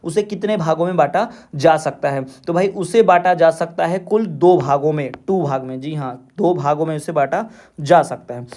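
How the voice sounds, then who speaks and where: A man teaching an exam-prep lesson from his coaching class, reading English questions slowly and then explaining each one and repeating the answers. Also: high-pitched, a little mellow.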